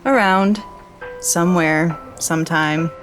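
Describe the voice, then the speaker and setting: A woman's voice: fairly low pitch, slow pace, soft background music. A woman playing a wistful, wry traveller in an audio drama, with an understated, dry delivery. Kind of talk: naturalistic audio drama acting.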